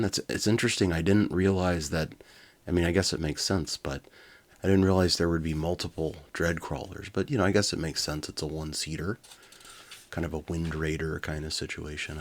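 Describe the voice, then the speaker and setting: A man with a deep voice reads a children's adventure storybook. He moves between narration and casual, offhand commentary. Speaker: reader and commentator.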